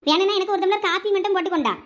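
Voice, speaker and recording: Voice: very high-pitched, racing, a bit bright. A voice actor playing a stubborn, fussy older mother-in-law in a cartoon, with a Thoothukudi Tamil accent. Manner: stubborn, complaining. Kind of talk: cartoon voice acting.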